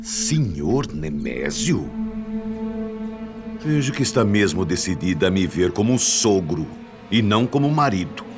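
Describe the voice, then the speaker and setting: Deep, menacing Brazilian patriarch. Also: male voice, sing-song, unhurried, music in the background. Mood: bitter, threatening. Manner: domineering, mocking, theatrical. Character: possessive, menacing older father-in-law obsessed with a young woman. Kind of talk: radio soap opera acting.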